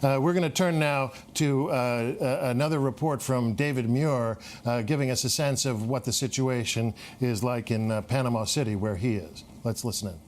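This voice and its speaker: A man anchoring live news coverage, measured and a little hesitant as he ad-libs. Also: medium pitch, a little mellow.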